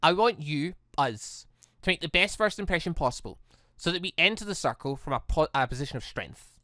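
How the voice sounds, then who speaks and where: A let's player voicing a proud, high-strung teenage heiress from a visual novel game, formal and insistent. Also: lively intonation, brisk, sharp tone, no echo, studio quality. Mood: earnest, formal.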